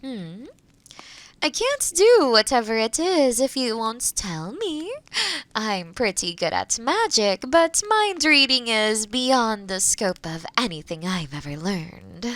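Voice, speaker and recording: A gentle, teasing witch of the woods, acted by a woman in an intimate fantasy audio drama. She takes her time, pausing and humming thoughtfully. Her soft-spoken delivery rises and falls in an animated, welcoming way. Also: on the high side, no echo, heavily acted. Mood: curious, musing. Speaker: audio roleplay performer. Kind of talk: intimate scripted audio roleplay.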